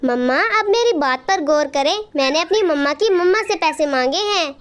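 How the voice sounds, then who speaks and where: A woman's voice: sits high, expressive, moderate pace. A woman voicing a clever, talkative little boy bird in a cartoon, eager and pleading.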